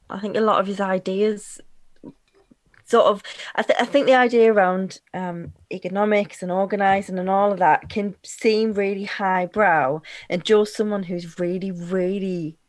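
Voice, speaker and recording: A woman's voice: medium pitch, steady tone, a little slow, no echo. A woman co-hosting a live talk show, chatting enthusiastically with hesitant restarts. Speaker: co-host and editor. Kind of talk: casual chat.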